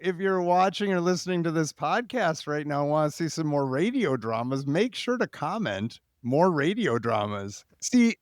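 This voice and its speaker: A man's voice: fairly high pitch, expressive, normal speed, hardly any pauses, no echo, clean studio sound. A man hosting a podcast interview in a casual, chatty way, thinking aloud as he goes. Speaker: podcast host.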